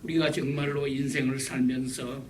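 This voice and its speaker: A man preaching a sermon, emphatic and repetitive, his loudness swinging widely. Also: mid-range voice, flat delivery, moderate pace. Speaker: pastor. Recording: distant mic with faint background hiss.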